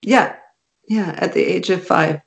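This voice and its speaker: A woman's voice: lowish voice, a little slow, gravelly. A middle-aged woman author from Canada, a native Hungarian speaker, chatting in an interview and laughing often. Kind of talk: casual interview chat.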